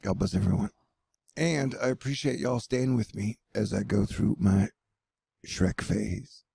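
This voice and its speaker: A man's voice: lowish voice, measured pace, gravelly, dark tone. A man hosting his own news channel, giving loose, irreverent commentary with playful asides. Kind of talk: casual offbeat news commentary.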